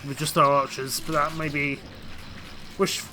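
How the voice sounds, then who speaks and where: A man with a cold and a croaky voice, giving casual, hesitant commentary while playing a strategy game. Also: fairly high pitch, flat delivery, measured pace, background noise. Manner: hesitant, full of ums and restarts. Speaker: game streamer.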